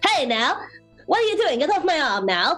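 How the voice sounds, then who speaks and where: At a moderate pace, a put-on character voice sits at an extremely high pitch with very wide pitch swings while faint music plays in the background. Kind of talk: vintage 1940s radio ad delivery. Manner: mock-formal, annoyed.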